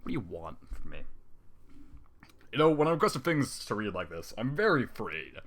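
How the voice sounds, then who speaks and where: A man's voice: on the low side, sing-song, moderate pace. A man reading fan fiction aloud with running commentary, exasperated and sarcastic, swearing often.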